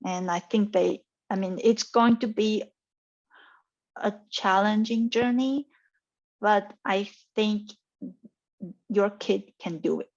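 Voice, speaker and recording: A woman from Taiwan with a Taiwanese accent, speaking casually and thoughtfully with halting, repeated phrases as she gives advice. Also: mid-range voice. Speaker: scientist mentor being interviewed. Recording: dull, muffled lo-fi audio.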